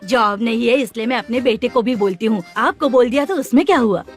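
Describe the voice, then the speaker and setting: A woman's voice: fairly high pitch, a little fast, faint music behind, close to an everyday voice. A woman dubbing a coaxing older mother-in-law. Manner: coaxing, wheedling. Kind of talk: Hindi film dubbing.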